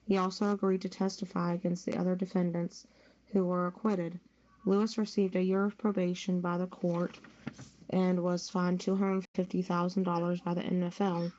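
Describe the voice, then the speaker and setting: A woman's voice: lowish voice, level tone, normal speed, mellow. A woman presenting sports news on a podcast, reading from a script. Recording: dull lo-fi audio.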